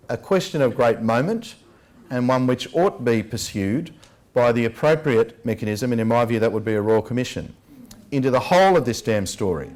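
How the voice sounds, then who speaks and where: An Australian man delivering an investigative lecture in an emphatic, rhetorical manner, leaning on key words with deliberate stress. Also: medium pitch, darkish tone. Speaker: public speaker, lecturer. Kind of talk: public address, investigative lecture. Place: public talk at a venue.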